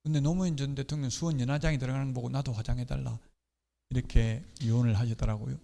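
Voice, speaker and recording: A middle-aged man gives an exam-prep lecture on real estate law, explaining points clearly and slipping in casual personal asides. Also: mid-range voice, steady tone, very fast, mellow. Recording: long hall reverb.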